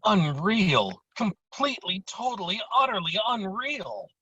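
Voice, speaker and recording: A man acting an excitable race spectator in a virtual table read, over a slightly dull online recording. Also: high voice, a little slow, husky, full character voice. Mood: amazed.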